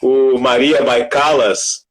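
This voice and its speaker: A man's voice: mid-range voice, level tone, takes it slowly, low-quality recording. A man with a Brazilian Portuguese accent hosting a casual interview, giving brief affirming interjections. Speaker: interview host.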